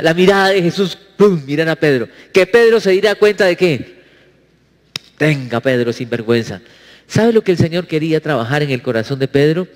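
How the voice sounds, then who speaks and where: A male pastor preaching a sermon, asking his congregation questions, with sweeping swings in pitch. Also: in a large hall.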